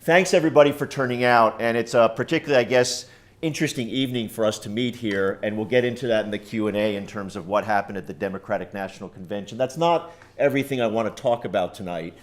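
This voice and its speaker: A man's voice: fairly low pitch, fast. Big-voiced New man giving a speech. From New York. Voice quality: big, loud voice. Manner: fervent, optimistic rally speaking. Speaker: keynote speaker. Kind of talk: political speech. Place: university lecture room. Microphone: unamplified voice picked up from the room.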